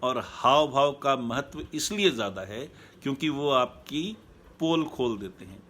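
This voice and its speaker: Calm, measured male happiness coach. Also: mid-range voice. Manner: calm, measured, repeats key points. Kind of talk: live online talk.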